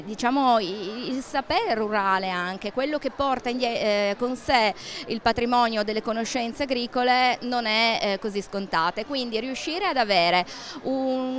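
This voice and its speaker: A woman's voice: a little high, a bit bright, a little hiss or hum. A young woman interviewed at a fair stand, hesitating and searching for words as she explains, speaking into a handheld mic. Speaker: interviewee, training manager. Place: indoor exhibition stand at a book fair.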